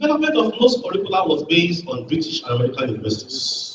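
A man speaks with a fairly high voice and very wide pitch swings. Audible room echo and light background noise surround him. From Nigeria. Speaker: engineering professor. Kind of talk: lecture. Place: hall.

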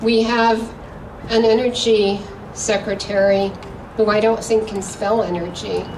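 A woman's fairly high, monotone voice with flat intonation, fairly slow pace and long, frequent pauses, over noticeable background noise. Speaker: conservation director. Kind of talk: rally speech. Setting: outdoors.

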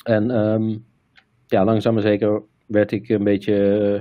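A man speaking against a quiet background. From Eindhoven, Netherlands. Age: 30s. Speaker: viewer and hospitality worker, amateur investor. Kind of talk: casual interview. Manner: hesitant, many filler words. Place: home room. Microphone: video call.

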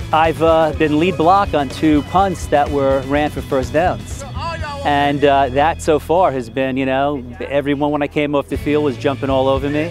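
Clear music plays in the background as a man with an American accent speaks at a moderate pace and a fairly high pitch, with ordinary pitch variation and a dry sound with no echo. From Long Island, New York. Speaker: semi-pro football player, sports promoter. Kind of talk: interview answer. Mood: proud, slightly emotional. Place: stadium.

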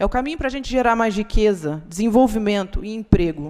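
Against a quiet background, a woman with a dark, mellow tone speaks at a medium pitch and a moderate pace with lively intonation. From Rio de Janeiro, Brazil (Vila Isabel); Rio de Janeiro. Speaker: entrepreneur and investor. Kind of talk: acceptance speech. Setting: legislative chamber ceremony. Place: hall. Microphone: podium.

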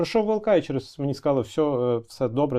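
A man's dark, mellow tone comes at a moderate pace over a quiet background. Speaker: military officer, former journalist. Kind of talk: studio interview. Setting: TV studio.

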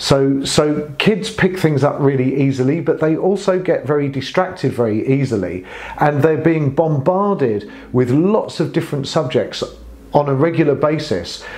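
The speaker keeps a moderate pace. The intonation is lively. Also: man, fairly high pitch for a man. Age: 50s. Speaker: saxophone teacher. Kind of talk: tutorial. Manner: casual and chatty. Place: home room.

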